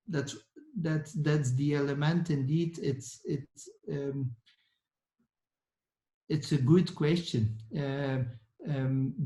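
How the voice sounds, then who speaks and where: A man, an architect answering questions in a lecture Q&A, halting with many restarts and fillers. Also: medium pitch, darkish tone, roomy sound. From Belgium. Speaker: architect guest speaker.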